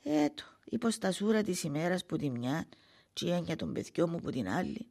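Creaky, weary old Cypriot Greek mother. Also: on the low side, sing-song, warm tone, exaggerated voice. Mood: weary, anxious. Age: older. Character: anxious, pious old mother, weary and complaining. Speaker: actress in a drama. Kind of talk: dramatic dialogue and monologue in dialect.

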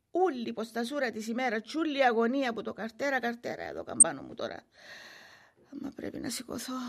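Creaky, weary old Cypriot Greek mother. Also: a little high. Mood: weary, complaining. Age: older. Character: anxious, pious old mother, weary and complaining. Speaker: actress in a drama. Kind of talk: dramatic dialogue and monologue in dialect.

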